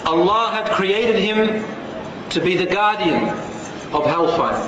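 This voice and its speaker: A man preaching a Muslim sermon to a congregation, solemn and emphatic like a preacher, with deliberate pauses. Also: high voice, very animated, crowd noise. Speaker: Muslim preacher giving a religious talk. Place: large echoing room before an audience. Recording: very echoey hall, clearly noisy background.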